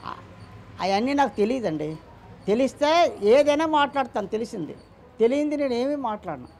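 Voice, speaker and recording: A man's voice: extremely high pitch, sing-song, brisk, vocal fry, darkish tone, a little hiss or hum. An older man answering interview questions about his son, speaking emphatically and often repeating himself or quoting what others said. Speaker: interviewee, the father of a man in the news.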